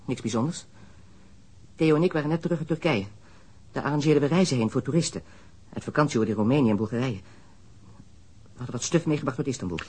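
An actor playing a defensive young male smuggler under police questioning in a radio drama, evasive and quick to protest. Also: medium pitch, darkish tone, slightly rough, natural voice. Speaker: suspect under interrogation.

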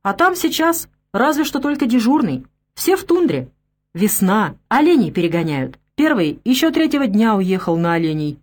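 Woman reading as a hoarse old sea captain. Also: high-pitched, very animated, normal speed. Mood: wry. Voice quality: hoarse, rasping. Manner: curt, commanding. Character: gruff hoarse older male Arctic sea captain.

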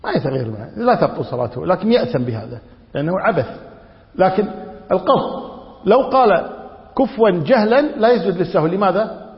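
A high-pitched man gives a classroom lecture on Islamic law. He quizzes his students and repeats the key phrases for emphasis. His voice rings with a long reverb from the lecture hall, on a dull, lo-fi recording. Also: expressive, brisk.

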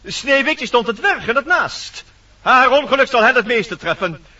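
Bossy forest creature, very high pitch, formal commands, distant, muffled old radio sound. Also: male voice, animated, moderate pace, bright, forceful tone, exaggerated voice. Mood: solemn, deliberating. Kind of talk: theatrical Dutch radio play acting.

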